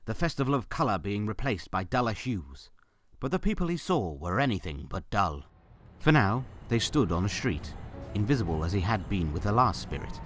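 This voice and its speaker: A man tells the story in a playful storybook manner and drops wry, jokey asides. His voice is somewhat low, but his pitch rises and falls a lot. Soft music plays underneath. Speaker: narrator.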